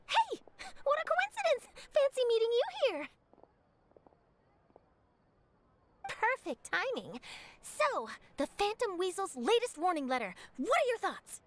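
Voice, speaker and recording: Eager, very high-voiced young reporter. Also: female voice, normal speed. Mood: delighted, excited. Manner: eager, expressive, articulate. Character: eager, chatty young female newspaper reporter. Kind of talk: animated video game dialogue, storytelling.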